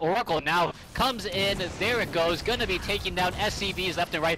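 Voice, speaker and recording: The voice carries an American accent at a fairly quick pace. Noticeable background noise runs underneath. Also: man. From United States. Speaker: esports caster. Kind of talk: live commentary.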